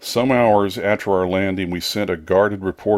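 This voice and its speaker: With a very deep, low pitch, a man talks at a moderate pace and with fairly even intonation. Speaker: audiobook narrator. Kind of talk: audiobook reading.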